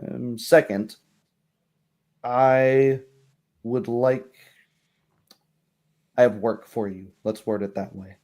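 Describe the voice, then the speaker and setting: A man's voice: medium pitch, steady tone, takes it slowly, pauses often, darkish tone, lightly acted. A man voicing a courteous, concerned baroness in a tabletop game, formal and hesitant in speech. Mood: polite, measured. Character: courteous, concerned noblewoman, a baroness hosting guests.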